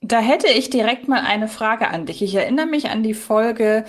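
A woman's voice: a little high, expressive, moderate pace. A woman hosting a podcast, casually discussing audio dramas in conversation. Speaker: podcast host.

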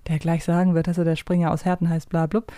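A woman's voice: fairly low pitch, little pitch movement, fast, warm tone, dry recording, clean studio sound. A woman hosting a podcast, chatting casually and bantering through a quiz game. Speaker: podcast host.

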